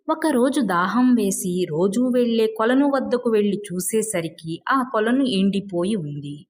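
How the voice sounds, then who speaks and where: A woman storyteller hosting and narrating a moral story for children. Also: medium pitch. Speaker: storyteller host.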